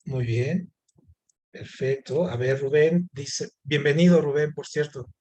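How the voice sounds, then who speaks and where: A man leads an online lesson. His voice sits a bit high for a man. He explains patiently, with many fillers, and keeps asking the class questions. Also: slow pace, a little mellow. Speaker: Spanish teacher.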